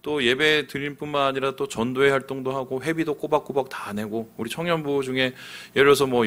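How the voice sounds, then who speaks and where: A middle-aged man preaching a sermon as pastor, lively and acting out quoted voices. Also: medium pitch.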